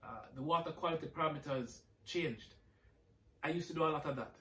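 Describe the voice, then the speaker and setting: A man's voice: fairly high pitch, fairly quick, a bit bright. A man in his forties from Jamaica with a Jamaican accent, casually answering interview questions and rambling with repeated words. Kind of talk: casual recorded answers, reading questions aloud. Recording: roomy, distant from the mic.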